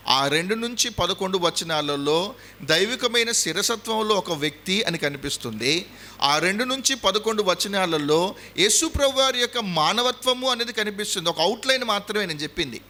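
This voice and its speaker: A man's voice: sits high, sharp tone. A man with a Telugu accent, preaching a sermon with emphatic repetition and questions to the congregation. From India. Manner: emphatic preaching, repeats points and quizzes the audience. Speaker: pastor.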